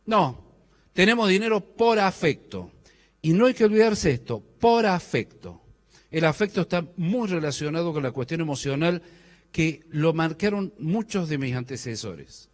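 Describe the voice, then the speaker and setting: A middle-aged man with a Cordoban Argentine accent speaks on a stage microphone in a large hall, and his voice sits somewhat high. He jokes with the audience and throws questions at them, and his words ring out with a long hall reverb. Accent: Argentine Spanish, Córdoba. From Córdoba, Argentina. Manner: joking, quizzes the audience with questions. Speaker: speaker at a business conference. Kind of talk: conference talk to a live audience.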